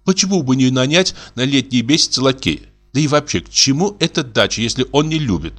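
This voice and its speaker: A man's voice: medium pitch, animated, fairly quick, fairly bright tone, voice pushed up. A man reading aloud and voicing a devoted young wife who speaks earnestly and pleadingly. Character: anxious devoted young wife, turning tearful.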